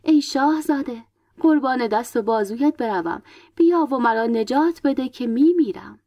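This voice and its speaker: A woman's voice: sits high, animated, mellow, dry recording, studio quality. A woman voicing a scheming witch posing as a princess. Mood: pleading. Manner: pleading, then mocking and reproachful. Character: wicked female witch disguised as a princess.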